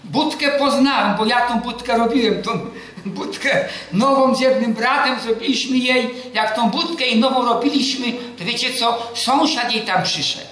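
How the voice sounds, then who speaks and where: A man's voice: extremely high pitch, normal speed. A man preaching a sermon, quizzing the congregation with questions he answers himself and telling personal stories. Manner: tells personal stories with lively quoted dialogue. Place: church hall. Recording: very echoey hall.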